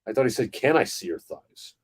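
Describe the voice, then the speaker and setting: A man's voice: lowish voice, very animated, brisk, husky. A man with a New York accent joining a live fan stream from home, talking in an easygoing way with lots of fillers. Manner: easygoing, storytelling, filler-heavy. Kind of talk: casual fan chat. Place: home, on a video call.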